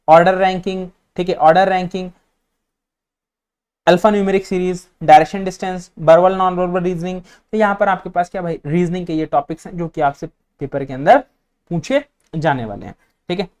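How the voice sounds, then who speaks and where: A man's voice: high voice, smooth. Indian man coaching exam students. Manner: lists topics, repeats "theek hai" constantly, mixes English terms; explains directly to students, conversational coaching tone. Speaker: exam-prep teacher. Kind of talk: online exam-prep lecture.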